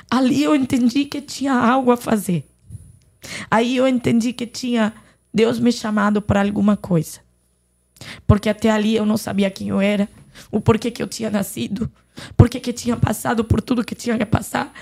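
Woman with a gravelly voice. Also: fairly high pitch, darkish tone. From Lebanon. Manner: earnest storytelling, retelling dialogue. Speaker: podcast guest. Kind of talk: personal faith testimony.

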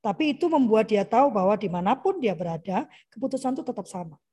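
A middle-aged woman giving a chatty parenting talk over a video call, lively and quick to mimic children's voices. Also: a little high, slightly rough. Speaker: parenting speaker. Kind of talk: conversational online parenting talk.

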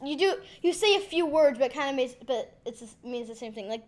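A woman's voice: high voice, lively intonation, quick pace. A teenage girl telling rambling family stories on a casual podcast, often giggling.

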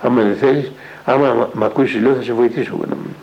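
A man's voice: mid-range voice, steady tone, creaky. An older man, an elder monk, retelling a conversation in a spiritual talk and tagging each line with "I say" and "he says". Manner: recounts dialogue, with constant "I say, he says" tags. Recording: dull lo-fi radio broadcast recording.

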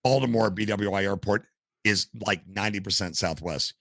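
An older American man, a retired firefighter, telling animated stories as a podcast guest over a video call. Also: lowish voice, normal speed, no room sound. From United States. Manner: animated anecdotal storyteller. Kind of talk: casual storytelling interview. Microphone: headset.

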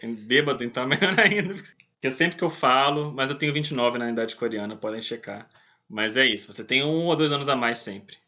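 A man's voice: medium pitch, a little fast, pushed and bright. A man in his late twenties with a Brazilian Portuguese accent, chatting informally and jokily as an interview guest. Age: late 20s. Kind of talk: casual chat.

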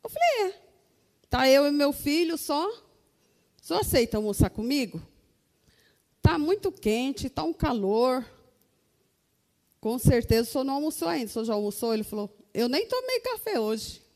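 A Brazilian woman with a mellow, fairly high voice tells an earnest church testimony. Her words carry a long, ringing reverb. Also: animated, normal speed, long pauses. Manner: earnest, addresses listeners as brothers. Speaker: church member giving testimony. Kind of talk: testimony to a congregation.

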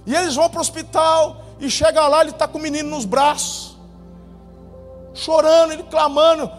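A male pastor preaching a sermon, telling a testimony dramatically, his voice swinging between loud bursts and hushed moments. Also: extremely high pitch, steady tone, moderate pace. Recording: reverberant hall with faint music.

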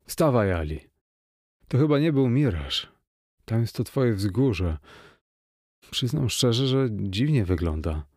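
A man voicing a driven adventurer in an audiobook, hoarse and shouting with eagerness. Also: fairly low pitch, sing-song, slow pace, pauses often, dry recording, studio quality, full character voice. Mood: urgent.

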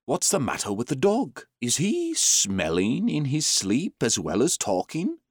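Guy reading as a kindly doctor in a kids story, very animated, dry sound. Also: medium pitch, measured pace, breathy edge, dry recording, voice pushed up, exaggerated voice. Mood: startled. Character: kindly, animated gentleman doctor, adult man. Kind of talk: storybook character voice.

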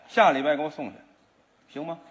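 Fast-talking, indignant comedian man. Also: on the high side. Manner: indignant, protesting banter. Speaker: crosstalk comedian. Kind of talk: crosstalk comedy performance. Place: theater stage before a live audience. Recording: reverberant live theater sound.

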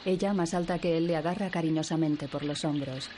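A woman reading scripted audio description in an even, descriptive manner. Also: deep voice, a little fast, background noise.

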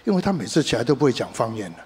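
Animated male pastor preaching. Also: medium pitch, very fast. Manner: code-switches with English words, animated emphasis, storytelling asides. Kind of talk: sermon.

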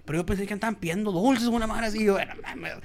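A man's voice: high-pitched, very fast, darkish tone. A man with a Mexican accent, hosting a podcast and telling a story in a casual, slangy way, acting out the people he quotes. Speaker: podcast host.

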